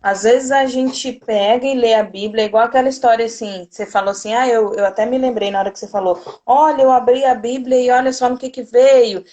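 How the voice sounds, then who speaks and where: A woman's voice: a little high, steady tone, brisk, few pauses, warm tone. A woman in casual talk about the Bible, chatty and asking teasing questions. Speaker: co-host.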